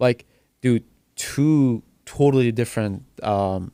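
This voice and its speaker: A man's voice: medium pitch, warm tone, clean tone, no room sound. A young man as a podcast guest, chatting casually with lots of fillers and "right?". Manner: fast, filler-heavy, keeps saying "right?".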